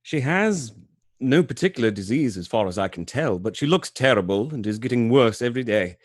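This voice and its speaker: A man playing a worried, polite young gentleman in a live radio play, formal and delicate in manner. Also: medium pitch, animated, a little fast, dry recording, clean studio sound, natural voice. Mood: worried appeal.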